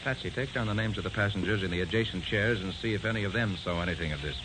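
An actor playing a shrewd, self-assured detective in a 1940s radio drama, brisk and coolly polite as he probes. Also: fairly low pitch, close to an everyday voice. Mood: businesslike. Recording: noisy old 1940s radio recording.

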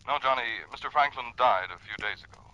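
An actor playing a calm, patient insurance executive in a 1960s radio drama, speaking in a measured, grave way. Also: male voice, medium pitch, lo-fi sound. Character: calm middle-aged male insurance executive. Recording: old radio broadcast.

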